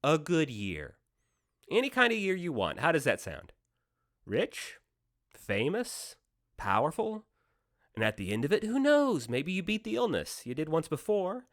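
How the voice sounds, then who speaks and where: A man's voice: fairly high pitch, wildly swooping pitch, a little slow, a bit bright, exaggerated voice. An actor playing the Devil in a radio play as a slick, teasing, cynical deal-maker with theatrical salesman patter. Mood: wheedling. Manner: wheedling salesman patter, mock-casual, theatrical swoops.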